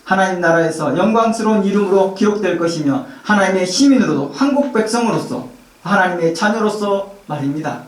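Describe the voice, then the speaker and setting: A male pastor giving an earnest sermon, reading scripture slowly and pleading warmly in the Lord's voice. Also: sits high, lively intonation. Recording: echoey church from far off.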